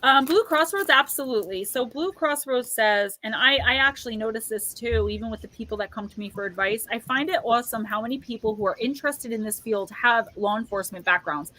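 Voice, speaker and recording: A woman's voice: on the high side, fairly quick, hardly any pauses, bright, forceful tone, low-quality recording. A woman hosting a casual livestream and tarot reading, talking in a chatty, rambling way with lots of "like". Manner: chatty, rambling, heavy use of "like". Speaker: livestream host and tarot reader. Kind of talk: casual live chat.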